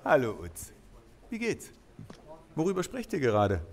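A man playing a breezy, animated policeman. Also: medium pitch, measured pace, background noise. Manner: flippant, colloquial. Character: breezy, gossipy male police colleague. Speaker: police officer. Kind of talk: audio drama dialogue.

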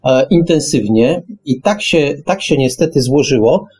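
A man co-hosting a radio show in casual talk, explaining things haltingly and often repeating his phrases. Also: fairly high pitch, lively intonation, a little mellow, soft background music.

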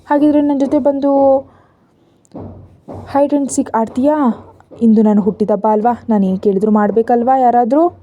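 A woman's voice: medium pitch, fast talker, mellow, highs cut off, slight background noise, natural voice. A woman voicing a playful, bold young woman who teases and lightly scolds in a storybook reading.

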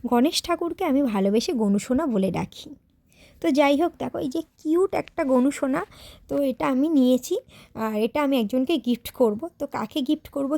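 A young woman with a high voice tells viewers about her day in a chatty vlog. The recording is dry and close, with no room sound around her. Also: darkish tone, no room sound. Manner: chatty, addresses viewers directly. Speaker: vlogger. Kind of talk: casual vlog narration.

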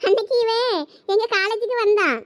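Very high-pitched cheeky young college girl, played by a woman. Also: steady tone, moderate pace, dry recording, studio quality. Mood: teasing. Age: young adult. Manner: teasing, chatty, giggly. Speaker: comic skit actor. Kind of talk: village comedy skit acting.

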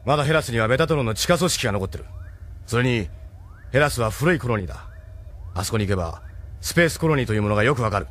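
A brisk, hearty ship captain. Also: male voice, mid-range voice, animated, a bit bright. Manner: brisk, blunt, casual. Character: hearty male ship captain, blunt and friendly. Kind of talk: radio drama acting.

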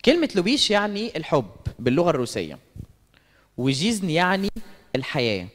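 A man with an Egyptian accent giving a lively church talk, asking the audience questions and answering them himself. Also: a little high, a little fast. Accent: Egyptian Arabic. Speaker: speaker at a church service meeting. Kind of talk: lively sermon-style talk with stories. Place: church hall. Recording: long reverb of a church hall.

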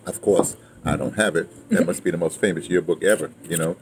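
A man of about seventy, reminiscing casually in a rambling, halting way, circling back to his point. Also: low voice. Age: around 70. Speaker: interviewee, theater and radio drama veteran. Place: outdoors in a yard beside a house. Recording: clear outdoor ambient noise.

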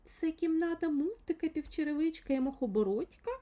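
Woman playing a sweet-spoken lady stranger, raised pitch. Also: lively intonation, a little fast, dull audio. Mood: polite, insistent. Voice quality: soft but carrying. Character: soft-voiced, polite, self-assured middle-aged lady stranger.

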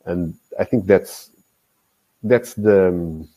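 A man in his forties, a guest football coach, talking in a casual interview over a video call. His speech is halting, full of restarts and repeated words. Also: deep voice, warm tone, rough recording. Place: small indoor room. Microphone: video call, earphones with mic.

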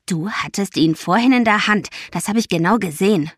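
A woman voicing an angry, self-righteous ten-year-old boy who speaks in a loud, accusing voice. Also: mid-range voice, a little fast, dry recording, studio quality, natural voice. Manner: indignant, raised voice.

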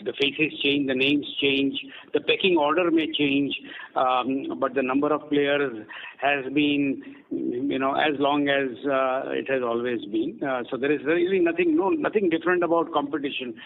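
On an earnings call, a male company executive answers questions bluntly and dismissively in a medium-pitched voice with vocal fry, at normal speed. It comes through a conference phone on a narrow, noisy line.

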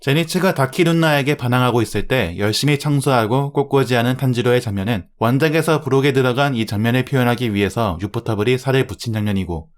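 A man's voice: mid-range voice, fast talker, few pauses. Male anime reviewer narrating over music.

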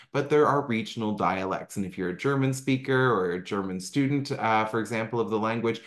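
Upbeat Canadian man presenting travel slides. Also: lowish voice. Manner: upbeat, conversational, frequent ums and asides. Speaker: travel advisor presenting a destination talk. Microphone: video call microphone.

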